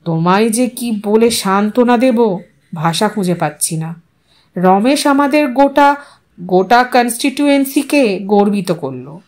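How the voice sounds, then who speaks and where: A woman's voice: mid-range voice, animated, measured pace, darkish tone, natural voice. A woman voicing a middle-aged male politician, self-important and unctuous, speaking with authority and dropping in English words. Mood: unctuous sympathy.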